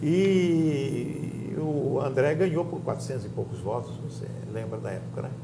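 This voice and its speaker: A fairly slow pace amid audible room echo and noticeable background noise. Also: man. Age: 70s. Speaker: veteran radio and TV broadcaster, former politician. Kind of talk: interview.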